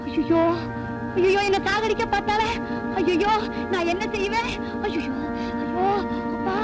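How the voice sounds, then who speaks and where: Shrill scolding village woman in a film, very high and piercing. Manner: shrieking, wailing complaints. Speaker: shrewish woman of the house. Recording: film soundtrack with music underneath.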